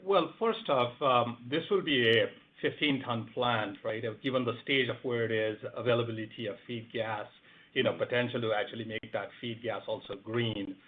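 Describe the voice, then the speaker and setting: A man answering analysts as an executive on an earnings call, measured and peppering his answers with "you know" and "right". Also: mid-range voice. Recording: tinny phone conference line with noise.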